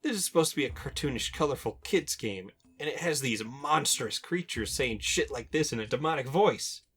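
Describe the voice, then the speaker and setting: A man's voice: mid-range voice, lively intonation, normal speed, fairly bright tone, breathy edge. A young adult man hosting a video game countdown with informal, personal commentary and wry asides. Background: music.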